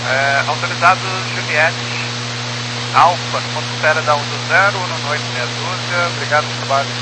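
A man's voice: a little high, fairly even intonation, a little fast. A Brazilian man speaking as an airline pilot over a cockpit headset radio, in exchanges that are partly casual. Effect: pilot cockpit headset radio transmission. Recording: noisy aviation radio with mains hum.

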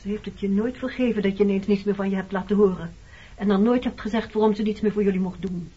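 A woman's voice: medium pitch, steady tone, fast talker, dark tone, breathy edge, close to an everyday voice. An actress playing a weary, defensive woman in her thirties, haunted by her wartime past, in a radio play. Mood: reproachful. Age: 30s. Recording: dull old radio play recording.

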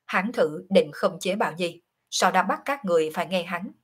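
A woman's voice: on the low side, animated, normal speed, husky. A woman voicing a wry young man who reasons things out aloud, in an audiobook reading. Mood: reasoning.

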